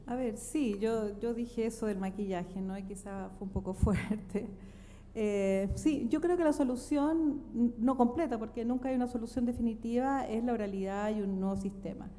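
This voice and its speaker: A woman's voice: fairly high pitch, moderate pace, dark tone. A middle-aged Chilean woman speaking emphatically and explaining her view as a panelist at a seminar. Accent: Chilean Spanish. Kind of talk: panel discussion answer. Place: large auditorium. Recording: reverberant hall, background noise.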